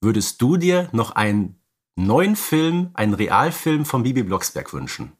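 A man's voice: mid-range voice, very animated, unhurried, slightly rough. A man with a mid-range voice co-hosts a film podcast. His delivery is casual and conversational, with little tag questions inviting agreement. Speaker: podcast co-host.

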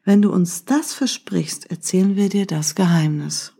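A woman voicing a clever, calm little village boy in a children's story, patient and explaining. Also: fairly low pitch, unhurried, vocal fry, husky, full character voice.

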